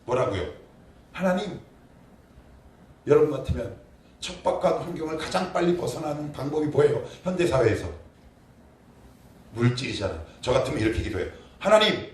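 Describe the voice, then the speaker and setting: A man's voice: medium pitch, quick pace. A middle-aged male pastor preaching a sermon, asking the congregation questions and crying out prayers. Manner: animated, asks the congregation questions, shouts acted prayers. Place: church sanctuary. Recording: echoey church room, from far off, faint noise.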